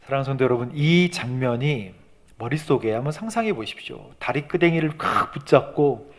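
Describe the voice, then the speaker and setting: A male pastor preaching a lively sermon in a church, with many rhetorical questions. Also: mid-range voice, brisk, in a large hall. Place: church sanctuary.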